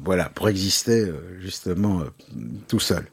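A man's voice: sits low, moderate pace, breathy edge. A middle-aged man with a Parisian French accent, answering as a radio interview guest in a reflective, hesitant way with trailing asides. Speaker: interview guest, advertising agency head.

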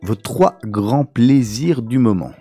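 A male interviewer with a soft-edged, mellow voice asks questions informally. His phrasing is casual, often doubling words as he goes, and music plays behind him. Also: medium pitch, expressive, slow pace, husky.

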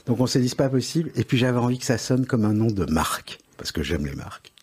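A middle-aged Parisian man, founder of an advertising agency, answers interview questions about his business in an old Parisian French accent. His mid-range voice is fast, a little mellow and husky, with big pitch swings. He sounds hesitant, uses many fillers, and mocks himself wryly.

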